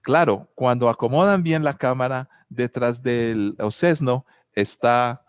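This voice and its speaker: A man's voice: medium pitch, unhurried, clear, resonant tone, dry recording. A man with a Colombian accent giving a reflective talk on family and spirituality, asking many rhetorical questions and telling personal anecdotes.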